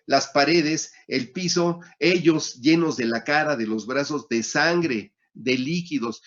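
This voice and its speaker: A man's voice: medium pitch, fairly bright tone. A man teaching a surgery class, telling a story with many fillers and repeated words, talking into a phone. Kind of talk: storytelling lecture. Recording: dull lo-fi sound.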